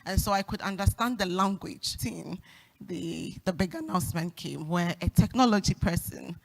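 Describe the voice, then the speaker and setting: A woman's voice: lowish voice, moderate pace, vocal fry, poor audio. A woman on a forum panel, a telecom executive recounting her career in a conversational, reflective way with easy laughs. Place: forum stage.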